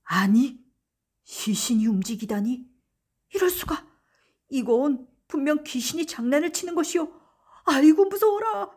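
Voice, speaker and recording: Wronged salt merchant played by a female narrator, raised pitch, theatrical old-time speech, cunning and vengeful, storybook style. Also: a little slow, long pauses, a little mellow. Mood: feigned fright. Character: wronged male salt merchant, vengeful, slyly feigning fright.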